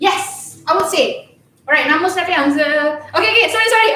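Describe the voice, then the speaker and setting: Room echo and noticeable background noise surround the voice. A woman speaks in a high pitch. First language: Malay. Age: 20s. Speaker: English tutor. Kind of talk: online live class. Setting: live stream. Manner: casual, halting.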